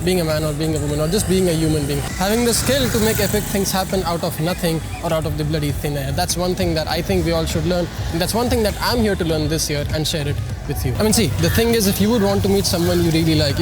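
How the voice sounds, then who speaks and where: High-pitched, fast-talking man with Bengali accent. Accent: Bengali Indian. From India. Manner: emphatic, repetitive phrasing. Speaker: YouTube channel host. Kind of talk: motivational vlog talk to viewers.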